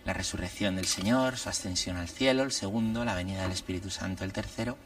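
A man, a priest and guest, explaining religious matters in an unhurried, reflective way and laying out his points one by one. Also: low voice, far from the mic. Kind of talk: conversational religious commentary.

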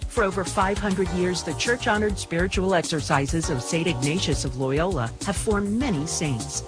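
A woman reading a scripted radio sponsor message in an expressive announcing style. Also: medium pitch.

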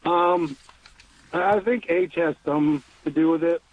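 A man's voice: a little high, normal speed. A man in his fifties calling in to a radio show, speaking earnestly and hesitantly. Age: 50s. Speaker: caller. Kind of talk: call-in phone conversation. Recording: dull lo-fi line.

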